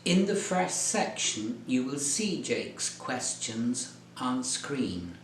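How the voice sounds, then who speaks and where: A male English tutor gives scripted lesson instructions in a slow, deliberate, clear delivery. His voice sits at a middle pitch, and the room has a noticeable echo with a faint hum underneath. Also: big pitch swings. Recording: echoey room.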